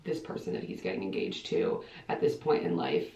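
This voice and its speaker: With a rumbling low, gravelly, dark voice, this Ohio vlogger in her late twenties talks fairly quickly with lively intonation, rambling chattily and filling her sentences with "like." She records in a small indoor bathroom on a camera mic a few feet off, so the sound is echoey, distant and dull.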